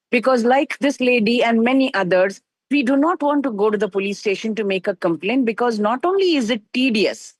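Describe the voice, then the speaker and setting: A woman's voice: a little high, no room sound, rough recording. A woman with an Indian accent giving her opinion as a news guest, emphatic and insistent. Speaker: activist commentator, news guest. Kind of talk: opinion in a live news interview.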